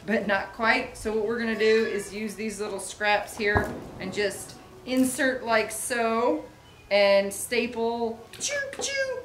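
Woman vlogger chatting while building stuff, loud clatter all round, voice jumps up and down. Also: a little high, animated, slow pace, noisy background. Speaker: homestead vlogger. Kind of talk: casual chat while building. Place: large open metal barn workshop. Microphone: camera a few steps away. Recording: echoey barn, loud tool clatter.

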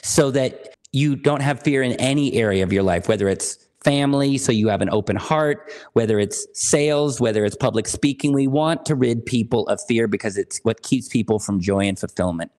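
Animated joking American man. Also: mid-range voice, normal speed, hardly any pauses. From Berkeley, California. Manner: animated, joking, lively storyteller with playful asides. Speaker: podcast guest, anxiety coach. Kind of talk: casual interview chat.

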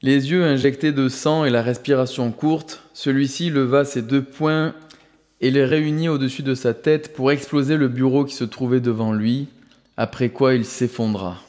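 A man reading a novel aloud as an audiobook narrator, at a steady, even pace. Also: mid-range voice, moderate pace, long reverb tail. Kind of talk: scripted narration.

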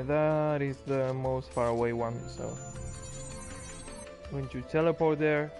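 A man's voice: mid-range voice, creaky. A man giving casual, sarcastic let's play commentary with some swearing. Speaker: gamer, let's play host.

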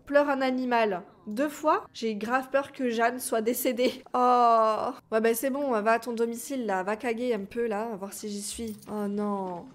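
Young woman, casual game commentary, reads on-screen text aloud, chatty, slightly high-pitched. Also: fairly even intonation, unhurried, few pauses. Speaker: gaming YouTuber. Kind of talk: casual let's-play commentary.

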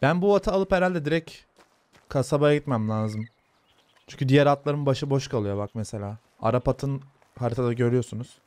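A young man casually commenting on his gameplay, chatting to his viewers and softly calming a horse in the game. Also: medium pitch, a little fast, no room sound. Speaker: gaming YouTuber. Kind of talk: casual let's-play commentary.

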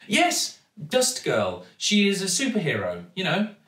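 A man's voice: high voice, wildly swooping pitch, measured pace, fairly bright tone, pitched above the performer's own voice, heavily acted. A man doing a flustered little girl. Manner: hesitant, awkward. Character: small flustered young girl. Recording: echoey, distant mic.

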